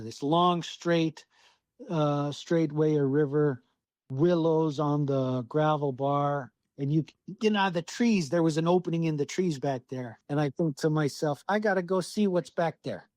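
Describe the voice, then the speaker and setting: A man from Southwest Alaska recounts a hard trip in loose, salty storytelling, swearing easily and slipping into his own remembered thoughts. His voice sits somewhat high for a man. The sound is close and dry, with no room around it. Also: a little mellow, no echo. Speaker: podcast guest. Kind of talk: casual storytelling.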